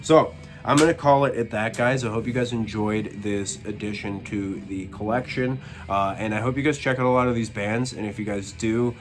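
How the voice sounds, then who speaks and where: A man casually reviewing albums from his collection, relaxed and rambling with plenty of fillers. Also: on the low side, moderate pace, music in the background. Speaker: metal collection vlogger.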